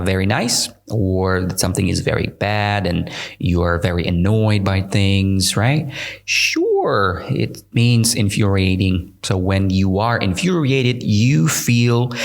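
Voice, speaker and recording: A man's voice: fairly low pitch, gravelly. A man from Russia with a Russian accent, hosting an English-learning podcast and explaining words in a chatty way, often asking "right?". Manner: chatty, keeps checking with "right?". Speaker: English teacher, podcast host. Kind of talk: explaining vocabulary while reading comments aloud.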